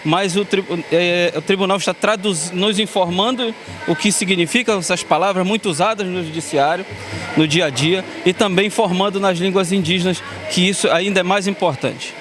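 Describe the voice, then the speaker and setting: A man with a Brazilian Amazonas accent speaks as a community leader in a news interview, earnest and full of restarts. His voice sits a bit high for a man. Clear outdoor noise with passing vehicles runs behind him. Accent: Brazilian Portuguese, Amazonas. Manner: halting, restarts often, earnest.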